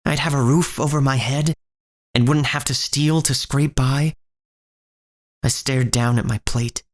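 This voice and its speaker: A man's voice: mid-range voice, steady tone, unhurried, close to an everyday voice. A man playing a wary young street thief who tells his own story as scripted audio drama narration. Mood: uneasy. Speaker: narrator and lead actor. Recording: music bed under the voice.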